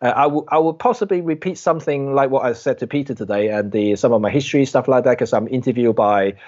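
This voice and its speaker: Man, casual live-stream guest, rambling with fillers, mid-pitched voice, dull lo-fi sound. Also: fast, darkish tone. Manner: rambling with many fillers and restarts. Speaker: guest photographer.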